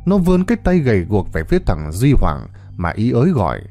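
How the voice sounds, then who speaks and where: A man narrating a scripted horror story in a dramatic, expressive way. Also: on the low side, brisk, dry recording, faint music behind.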